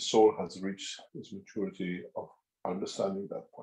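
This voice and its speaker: A man speaks at a fairly slow pace. He has a non-native accent. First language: not English. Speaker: workshop teacher answering questions. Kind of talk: Q&A teaching session.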